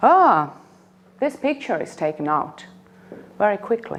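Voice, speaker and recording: In an Estonian accent, a woman speaks at a moderate pace with very wide pitch swings. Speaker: politician. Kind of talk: conference talk. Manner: halting.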